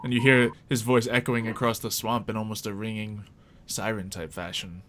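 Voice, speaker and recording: A man's voice: on the low side, little pitch movement, moderate pace, noisy background. A man acting as game master, casually narrating and refereeing a tabletop roleplaying game.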